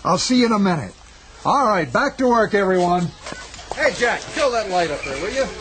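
An actor playing a loud, boastful, slangy male film director in a radio drama. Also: high-pitched, very animated, fairly quick, noisy background. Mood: friendly. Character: brash loud American film director, pushy and friendly.

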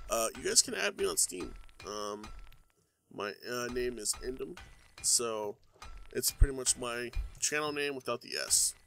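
A man's voice: medium pitch, vocal fry, pushed and bright. A young man with a congested, stuffy voice, chatting casually while playing a building game, full of ums and uhs. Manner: rambling, many ums and uhs. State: congested from a cold. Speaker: gaming YouTuber. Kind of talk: casual let's-play commentary.

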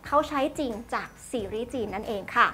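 A young woman with a high, bright-sounding voice hosts a language lesson, explaining phrases word by word in a chatty, polite way. Soft music plays faintly underneath. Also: a little fast. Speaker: host teaching Chinese through drama clips.

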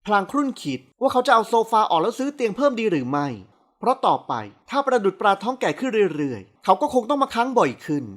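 A man narrating an audiobook novel in a calm, measured storytelling voice. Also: extremely high pitch. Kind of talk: scripted narration.

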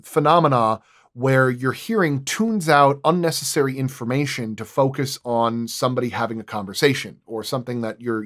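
A man who works as a sound designer, talking casually and in technical detail at a roundtable. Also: medium pitch.

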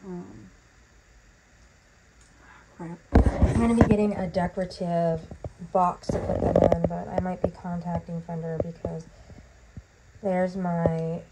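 A woman's voice: on the low side, very noisy. A woman casually narrating a home unboxing in a bathroom, rambling with lots of ums, her voice still recovering from being lost. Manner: chatty, rambling with many ums. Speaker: vlogger.

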